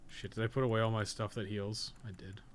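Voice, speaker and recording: A man's voice: lowish voice, flat delivery, fairly quick, slight background noise. A man doing casual live gameplay commentary as a streamer, sweary and sarcastic, often muttering to himself. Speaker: game streamer, podcast co-host.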